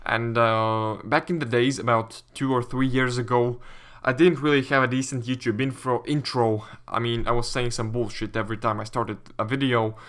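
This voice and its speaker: A man's voice: mid-range voice, fairly even intonation, moderate pace, few pauses, fairly bright tone. A young man with a Latvian accent casually commentating, reading viewer questions and answering them as a gaming YouTuber.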